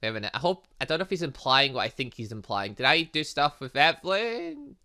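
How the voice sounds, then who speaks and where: Lively, bright-voiced man rambling over a game. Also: fairly high pitch, quick pace. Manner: rambling, thinking aloud, muttering filler sounds. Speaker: gaming channel host. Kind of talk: casual let's play commentary on a visual novel game.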